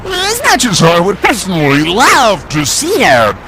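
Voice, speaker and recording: A pompous, wildly animated cartoon car host. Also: male voice, measured pace, heavy background noise, full character voice. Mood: smug, showy. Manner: pompous, showy, exasperated. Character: vain, easily flustered male race car show host. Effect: pitch-shifting voice changer. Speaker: sports show host. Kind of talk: animated game cutscene acting, TV presenting.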